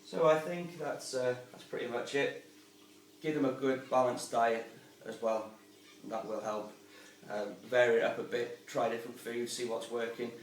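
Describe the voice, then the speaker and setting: A man's voice: medium pitch, fairly even intonation, normal speed, slight background noise. A man casually explaining aquarium fish care in a rambling, informal, chatty way, recorded at home beside a fish tank. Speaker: aquarium hobbyist and channel host. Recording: roomy, distant sound with faint ambience.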